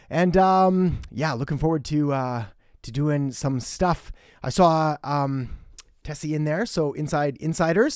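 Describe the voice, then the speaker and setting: Man, young adult, live-stream host, slightly high voice, dry close sound, chatty, blunt advice. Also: darkish tone, no room sound. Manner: chatty, greets viewers by name; direct, gives blunt advice. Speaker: marketing host. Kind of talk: live-stream Q&A, casual chat. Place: home in western Canada.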